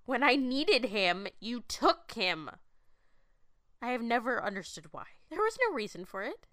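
A woman's voice: on the high side, very animated, measured pace, bright, forceful tone, no echo, clean studio sound, exaggerated voice. An actress playing a furious young woman who hurls defiant accusations. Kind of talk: TV drama acting.

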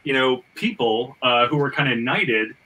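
A man's voice: medium pitch, lively intonation, normal speed, pushed and bright, distant mic, poor audio. A man hosting a casual panel talk, repeating and stammering over words as he reasons aloud. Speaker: podcast host; screenwriter and fiction writer. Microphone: video call.

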